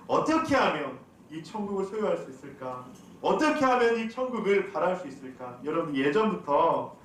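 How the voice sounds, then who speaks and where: A man's voice: high-pitched, a bit bright, a little hiss or hum. A man preaching a sermon as pastor, putting questions to the congregation and answering them. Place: church sanctuary. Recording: very echoey hall, from a distance.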